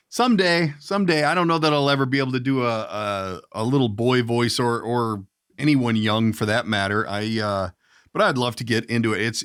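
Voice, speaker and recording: A man hosting a casual podcast interview, talking in a halting, rambling, easygoing way. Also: medium pitch, fairly bright tone, dry recording, studio quality. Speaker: podcast host.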